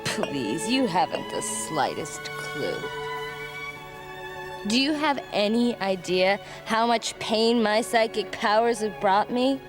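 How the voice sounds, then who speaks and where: Koudelka, a bitter psychic gypsy. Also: female voice, medium pitch, very animated, takes it slowly, music in the background. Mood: scornful. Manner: scornful, mocking laughter, emotional swings. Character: bitter young gypsy woman with psychic powers. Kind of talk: 1990s video game voice acting.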